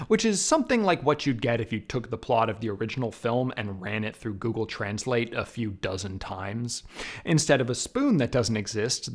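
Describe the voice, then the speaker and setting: A man narrating a scripted film review in an emphatic, wry way with casual asides. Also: on the low side. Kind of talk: scripted video essay narration.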